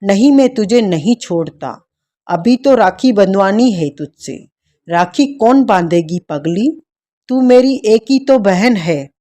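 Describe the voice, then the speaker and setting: A loving, protective brother in a storybook tale , read by a woman, talking through grief. His lines are slow and warm, and the tone stays gentle and soft. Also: mid-range voice, lively intonation. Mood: tender, tearful. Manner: tender, grief-stricken. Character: brave male prisoner, a loving protective brother.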